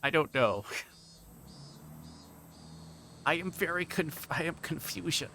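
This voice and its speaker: A man's voice: on the high side, expressive, normal speed, sharp tone, slight background noise. A man livestreaming a visual novel, switching between reading aloud and rambling, joking chat with viewers. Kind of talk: reading game text aloud mixed with casual stream chat.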